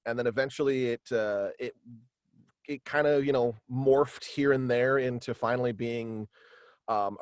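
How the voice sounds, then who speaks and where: A man in his thirties casually explaining his creative work as an interview guest, in a halting, meandering way. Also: fairly low pitch, no echo, studio quality. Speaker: guest, voice actor and writer. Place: small indoor home setup, video call.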